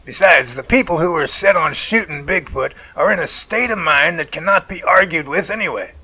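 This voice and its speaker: A man plays a resolute researcher in an audio drama, folksy and preachy. His voice is high and sharp, with a rasp. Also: normal speed, full character voice. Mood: earnest. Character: earnest, resolute Bigfoot researcher speechifying against hunters.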